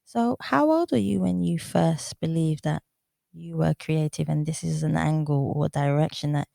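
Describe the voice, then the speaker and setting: A woman's voice: deep voice, normal speed, gravelly, dark tone, dry recording, clean studio sound. A woman hosting a podcast interview, earnest and effusive as she asks her guest questions. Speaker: podcast host.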